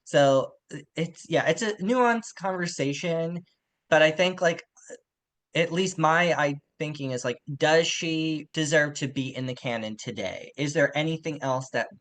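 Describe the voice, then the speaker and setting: A man's voice: a little high, measured pace, a bit bright. A man co-hosting a podcast, discussing literature in a colloquial, slangy and opinionated way. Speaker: podcast co-host.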